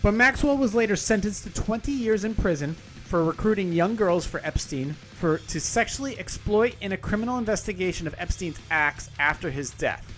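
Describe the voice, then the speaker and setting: A man's voice: sits high, expressive, normal speed, soft background music. A man hosting a podcast, reading a news article aloud with casual, profane, rambling asides and frequent self-corrections. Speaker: podcast host.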